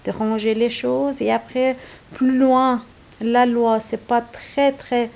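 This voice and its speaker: Woman, from Iran, middle-aged, halting interview talk, slow pace. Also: on the high side, level tone, creaky, darkish tone. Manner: slow, searching for words, many hesitations. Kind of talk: personal interview.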